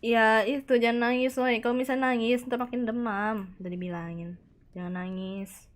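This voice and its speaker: A woman streaming a horror game live, chatting excitedly, reacting aloud and answering her chat, tossing in Japanese words. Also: fairly high pitch, normal speed. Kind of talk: live gameplay commentary.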